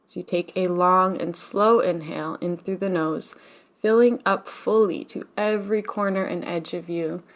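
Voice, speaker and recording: A woman leading a guided meditation as a teacher, speaking in a gentle, soothing, unhurried manner with long pauses. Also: on the low side.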